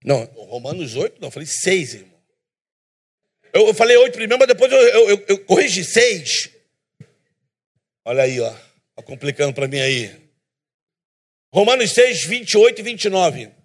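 A man preaching a sermon in a church, emphatic and animated, with self-deprecating humor. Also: high voice, normal speed, pauses often.

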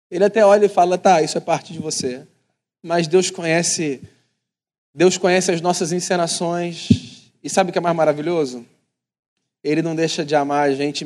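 Brazilian male pastor, 30s, high-pitched, animated sermon storyteller. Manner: animated storytelling, acts out voices.

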